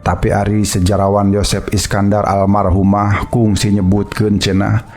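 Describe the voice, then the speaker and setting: A man's voice: fairly low pitch, little pitch movement, moderate pace, a little mellow. A man with a Sundanese accent, narrating a folk tale to his listeners as a storyteller.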